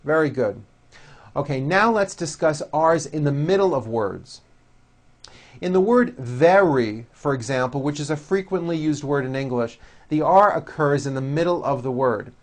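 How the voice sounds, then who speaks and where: A man teaching English pronunciation, modeling words and sentences slowly and deliberately for learners to repeat. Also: fairly high pitch, animated. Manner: slow, deliberate, over-articulated model words. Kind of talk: pronunciation drill lesson.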